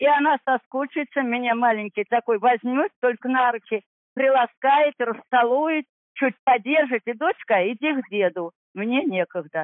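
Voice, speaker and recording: A woman's high voice moves fairly slowly, her intonation lively. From rural Russia. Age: 80s+. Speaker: war-time childhood eyewitness. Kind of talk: interview reminiscence.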